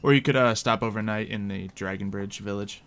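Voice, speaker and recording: A man's voice: on the low side, steady tone, fairly quick, fairly bright tone. A man acting as game master, narrating and explaining options to players in an informal, hedging way. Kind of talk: casual narration of a tabletop roleplay game.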